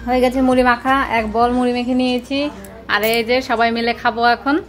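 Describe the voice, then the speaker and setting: A woman's voice: a little high, flat delivery, quick pace. A young woman from Bangladesh with a Bangladeshi Bengali accent, chatting casually as a vlogger about her day. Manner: chatty, narrates her daily chores as she goes. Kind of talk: casual vlog narration. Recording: music playing under the voice.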